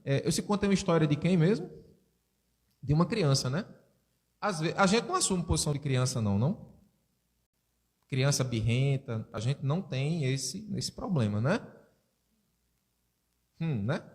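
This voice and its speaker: A man's voice: a little high, very animated, normal speed, pauses often, a little mellow. A man giving a spiritist sermon, telling stories and asking his audience rhetorical questions. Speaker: spiritist lecturer.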